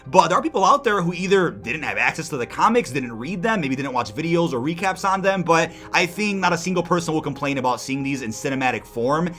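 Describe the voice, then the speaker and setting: A man's voice: fairly high pitch, animated, fairly quick, hardly any pauses, fairly bright tone, faint music behind. A man hosting gaming news commentary, speaking emphatically and directly to his viewers. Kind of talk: scripted-sounding gaming news commentary to camera audience.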